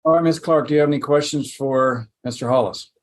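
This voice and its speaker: A man's voice: medium pitch, fairly quick. A man speaking as a judge in a courtroom recording, running a hearing with short procedural questions and prompts. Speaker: judge presiding over a hearing.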